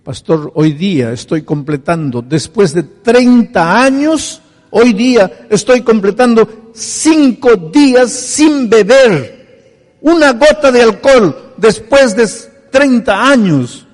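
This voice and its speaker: A man's voice: medium pitch, moderate pace, close to an everyday voice. Preacher voicing a pleading reformed drunk man. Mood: pleading, emotional. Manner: impassioned, rising to near-shouts. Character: former alcoholic man, pleading and emotional. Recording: echoey hall with faint music.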